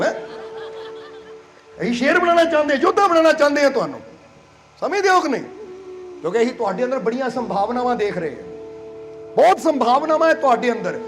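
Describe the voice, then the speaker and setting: A spiritual leader from Punjab, India, preaches to his congregation in a playful, coaxing way, laughing between lines. He repeats phrases and keeps checking whether the crowd understands. His pitch is extremely high.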